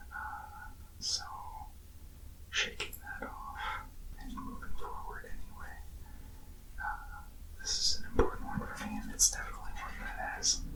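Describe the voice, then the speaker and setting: Over noticeable background noise, a man talks at an extremely high pitch with lively intonation, a fairly slow pace and long, frequent pauses. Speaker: ASMR creator. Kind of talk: soft-spoken ASMR ramble to camera. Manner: whispered, soft-spoken.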